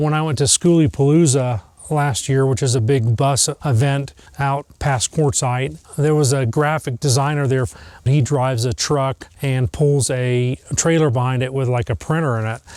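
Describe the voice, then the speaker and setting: In an American accent, a man talks at a moderate pace with a medium pitch, fairly even intonation and very even loudness, an ordinary speaking voice, and a dry, close sound with no echo. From England-born, raised across the US. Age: 50s. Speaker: bus dweller and DIY builder. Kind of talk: casual home tour.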